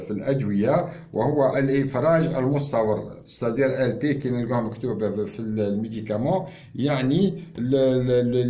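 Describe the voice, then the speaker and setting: A man gives an informal pharmacy lesson, explaining terms slowly, mixing in French and stalling with repeats. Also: mid-range voice, warm tone, reverberant. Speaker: pharmacy teacher.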